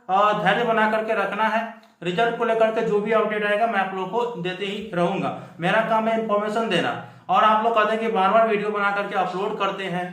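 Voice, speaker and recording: Guy hosting student updates, pretty high voice, echoey room, keeps stressing his points. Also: a bit bright. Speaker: host of a student news channel. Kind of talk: explanatory update to viewers.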